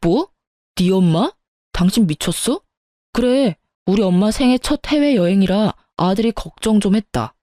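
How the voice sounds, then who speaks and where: A woman's voice: mid-range voice, animated, normal speed, mellow, no echo, clean studio sound, natural voice. A woman voicing a sulky young husband who whines and reproaches his wife. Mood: reproachful. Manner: reproachful, whiny.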